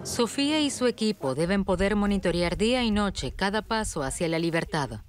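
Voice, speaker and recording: A woman's voice: mid-range voice, expressive, normal speed. Woman narrating a nature documentary over music. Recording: music behind the voice.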